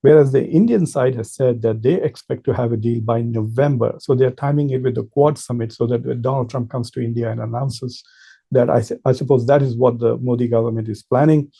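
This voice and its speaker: A man's voice: mid-range voice, steady tone, brisk, vocal fry, dark tone, slightly rough. A man giving informal political commentary as a professor would, explaining and arguing point by point with emphasis.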